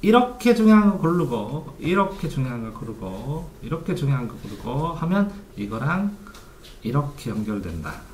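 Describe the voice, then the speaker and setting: A male study coach walks through his method step by step, often posing questions and answering them himself. His pitch moves in a lively way. The recording sounds echoey, with faint noise underneath. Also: normal speed.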